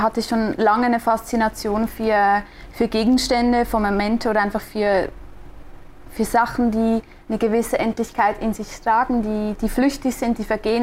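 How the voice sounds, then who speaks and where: A woman's voice: a little high, a little mellow, a little hiss or hum. A young woman from Switzerland with a Swiss German accent, a designer answering interview questions thoughtfully, often restarting as she searches for words. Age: young adult. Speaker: guest, designer and podcaster.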